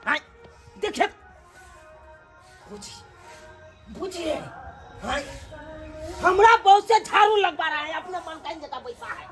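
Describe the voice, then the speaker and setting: A woman with a Maithili accent playing an indignant young husband in a village comedy skit, loud and scolding. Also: very high-pitched, animated, slow pace, long pauses, music in the background, heavily acted. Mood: angry.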